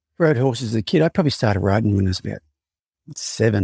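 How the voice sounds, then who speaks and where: On a very clean, dry and close recording with a silent background and no echo, a man with an Australian accent talks very fast, his fairly low voice dark and mellow in tone, with lively intonation. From rural Australia. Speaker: horse trainer. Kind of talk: interview.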